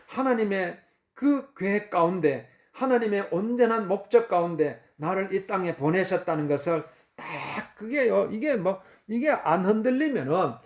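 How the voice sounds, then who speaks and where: A male pastor with a high-sitting voice preaches fervently, repeating phrases, frequently clearing his throat, and leaning on lots of fillers.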